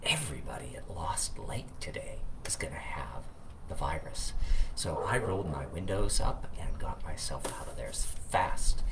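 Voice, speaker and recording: A man who is a minister, speaking informally and reflectively with pauses, sharing thoughts and poetry. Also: rumbling low, gravelly. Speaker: Unitarian Universalist minister. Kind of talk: informal video talk with poetry reading. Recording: distant mic, loud background noise.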